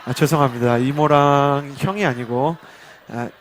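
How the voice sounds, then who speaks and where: A man's voice: mid-range voice, unhurried, slight background noise. A man in his thirties preaching a youth sermon, telling personal stories in a chatty way and leading the congregation in call-and-response. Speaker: youth pastor. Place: church worship service.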